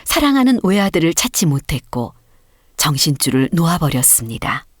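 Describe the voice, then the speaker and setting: A woman reading a storybook as an audiobook narrator, with expressive, clearly paced scripted delivery. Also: deep voice, normal speed, no room sound, clean studio sound.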